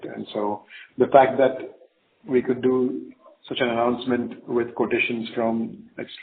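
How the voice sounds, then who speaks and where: A man's voice: medium pitch, creaky. A man speaking as a company executive on an earnings call, answering questions in a confident, emphatic way and often tagging phrases with "right?". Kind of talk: earnings call Q&A, spontaneous business talk. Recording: narrow, phone-like conference call line.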